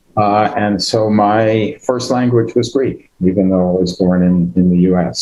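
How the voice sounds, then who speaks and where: A man with an American accent and a dark, mellow tone, with ordinary pitch variation. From Massachusetts, Boston area. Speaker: biotech executive and scientist. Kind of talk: panel discussion. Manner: halting, many fillers.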